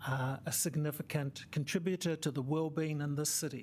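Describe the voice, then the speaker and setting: This man's voice is fairly high and somewhat breathy. He talks at a moderate pace with monotone, flat intonation. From New Zealand, Māori. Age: 60s. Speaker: community advocate. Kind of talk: public submission speech. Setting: council chamber meeting.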